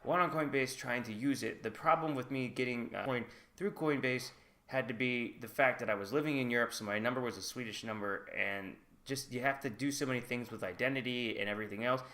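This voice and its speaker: A man's voice: mid-range voice, fairly quick, bright, forceful tone. A man talking casually to camera in his channel video, candid and hedging as he shares his own experience. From United States. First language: English. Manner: chatty and candid, hedging with "like" and "I guess". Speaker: vlogger.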